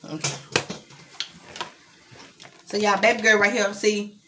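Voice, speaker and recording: Young mom w/ chatting over dinner, noisy home camera audio. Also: female voice, mid-range voice, little pitch movement, slow. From Louisiana. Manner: chatty, coaxing a toddler to eat. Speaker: family vlogger. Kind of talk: casual mealtime vlog chat. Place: home dining table. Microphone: camera set back from the table.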